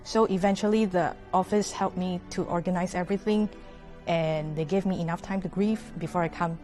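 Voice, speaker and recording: A young woman from Malaysia speaks with a rather low voice. She answers interview questions in a relaxed, thoughtful way, pausing on fillers and restarting words. Soft music plays faintly underneath. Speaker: orchestra horn player, guest.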